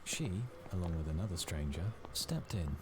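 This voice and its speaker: A man's voice: low voice, very animated, normal speed. A man reading scripted story narration for a visual novel. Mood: narrating. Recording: clearly noisy background.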